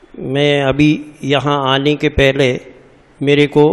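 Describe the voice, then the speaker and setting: A man's fairly high-pitched voice stays monotone, with flat intonation. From central India, Madhya Pradesh (Hoshangabad district). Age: 60s. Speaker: teacher, seminar participant. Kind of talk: testimony. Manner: halting.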